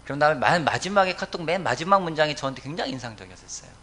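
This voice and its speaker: A man preaching a Sunday sermon as pastor of a church, urging his congregation with emphatic swings between loud appeals and quiet, earnest lines. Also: very animated, racing. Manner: emphatic, rising to loud exhortations then dropping low. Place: church sanctuary.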